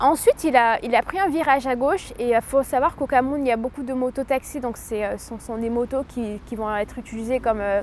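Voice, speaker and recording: With a high pitch and ordinary pitch variation, a woman talks at a fairly quick pace with hardly any pauses and big swings in loudness. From Cameroon. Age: 20s. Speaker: testimony speaker. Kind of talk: testimony. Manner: halting, many hesitations.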